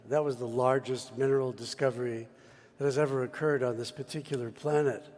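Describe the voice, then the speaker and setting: An American mining executive speaks on a panel in a large conference hall, his mid-range voice a little mellow. He's expansive and emphatic, almost delivering a speech, and the hall's long reverb carries his words.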